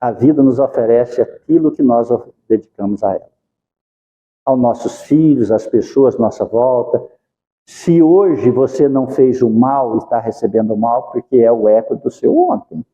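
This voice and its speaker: A man's voice: medium pitch, lively intonation, moderate pace, warm tone. A man giving a religious lecture, preachy and asking the audience questions. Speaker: spiritist lecturer. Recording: dull lo-fi recording.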